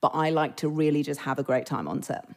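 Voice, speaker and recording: Deep-voiced and brisk, the British actress talks casually as a podcast guest, full of fillers and poking fun at herself. The recording comes from a remote or studio podcast setup.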